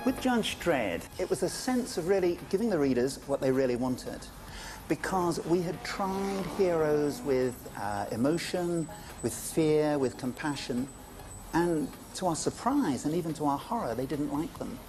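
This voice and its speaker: A man in a documentary interview, recounting the making of comics in a lively storytelling way. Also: on the high side, unhurried, rough recording.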